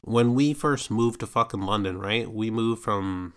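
A man's voice: lowish voice, unhurried, a bit bright, clean tone. A young man from Canada, hosting a podcast and telling a rambling personal story, full of filler tags and swearing, acting out what people said. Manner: acts out quoted voices animatedly. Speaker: podcast host. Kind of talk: casual storytelling monologue.

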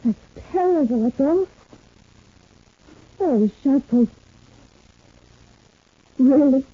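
A woman's voice: high-pitched, lively intonation, slow. Anxious young woman, thin vintage recording. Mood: dismayed. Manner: earnest, dramatic, pleading. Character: anxious, gentle young woman torn by family worry. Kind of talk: vintage radio soap opera acting. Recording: narrow, phone-like vintage radio recording.

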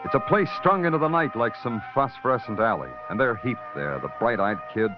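An actor playing a hard-boiled detective who narrates in a terse, clipped, world-weary way, in 1950s radio drama acting. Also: male voice, medium pitch, animated, a little fast, lightly acted. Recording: dull old radio recording with music.

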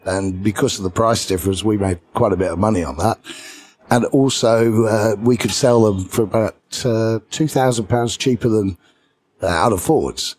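A middle-aged man with a British English accent, a podcast guest telling anecdotes in a lively way and chuckling between lines. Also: on the low side, moderate pace. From England. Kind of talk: anecdotal storytelling in an interview.

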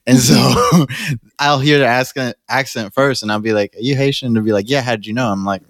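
A man's voice: mid-range voice, fairly even intonation, brisk, a bit bright, dry recording. A man co-hosting a podcast, talking in a laid-back, casual way and laughing often. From United States. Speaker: podcast co-host. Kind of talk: casual chat.

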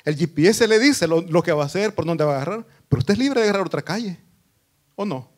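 A man preaches a sermon in a high-pitched voice. He rises into emphatic, repeated phrases and then drops into low, quieter asides. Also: expressive, fast talker. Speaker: pastor.

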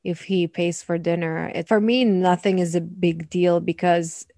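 A woman's voice: on the low side, fairly even intonation, dark tone, no echo, clean studio sound. A young woman from Croatia, frank and chatty, talking casually as a guest in conversation. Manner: chatty, frank, quick asides with "like".

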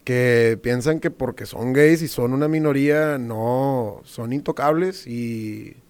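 A man's voice: medium pitch, slow, darkish tone, smooth. A young man telling a story in casual chat, slangy, laughing often and swearing freely.

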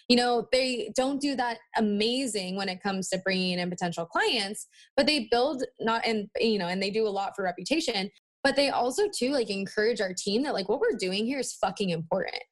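A woman in her twenties chatting as a podcast interview guest in a valley-girl manner, peppering her talk with "like" and "you know". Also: medium pitch. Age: 20s. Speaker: interview guest, marketing agency owner. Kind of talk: casual podcast interview chat.

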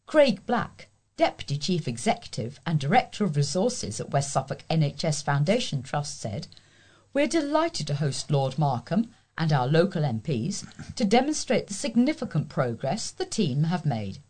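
A woman's voice: sits low, big pitch swings, normal speed, a little mellow, slightly rough. A woman with a British accent reading local news aloud as a volunteer newsreader.

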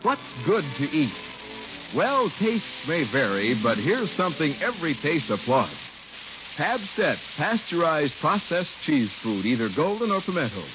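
A man's voice: on the high side, big pitch swings, measured pace. A man announcing a 1950s radio show and reading an ad, hearty and emphatic. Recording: dull old radio broadcast with music.

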